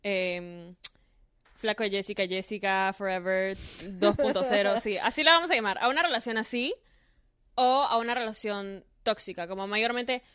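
A woman's voice: medium pitch, normal speed, fairly bright tone, clear, resonant tone, dry recording, clean studio sound. A woman from Peru hosting a podcast in a playful, gushing, chatty way. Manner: playful, piles on gushing compliments. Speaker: podcast host. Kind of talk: casual podcast chat.

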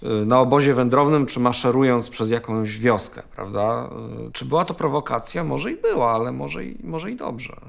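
A man's voice: mid-range voice, lively intonation, normal speed, gravelly, hardly any pauses. A man giving reflective spoken commentary in a musing way, checking for agreement as he goes.

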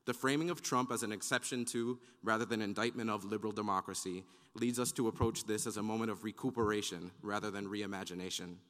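A man reading prepared academic remarks as a conference panelist, with a measured, formal delivery. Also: lowish voice, fairly even intonation, fairly bright tone. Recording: long hall reverb.

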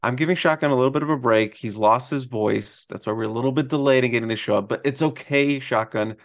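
A man's voice: mid-range voice, fast talker. A man hosting a casual sports podcast, chatting and teasing his co-host in a playful way.

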